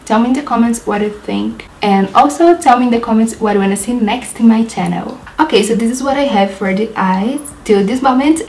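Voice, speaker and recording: Chatty young Brazilian woman, mellow voice. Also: medium pitch, roomy sound, a little hiss or hum. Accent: Brazilian Portuguese. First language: Portuguese. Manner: chatty, laughs often, describes each step. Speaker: beauty vlogger. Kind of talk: makeup tutorial chat. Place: apartment in a big city.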